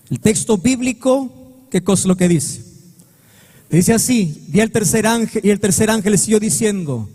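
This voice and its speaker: Man, pastor, fiery sermon, very high voice, husky, church hall reverb. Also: dark tone. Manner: impassioned preaching, swings from high sung cries to low drawn-out words.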